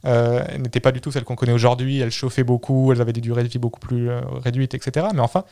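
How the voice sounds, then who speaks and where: A man's voice: medium pitch, flat delivery, rapid-fire, warm tone. Man telling history in casual chat. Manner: explanatory storytelling, repeats words while thinking. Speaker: podcast co-host telling history.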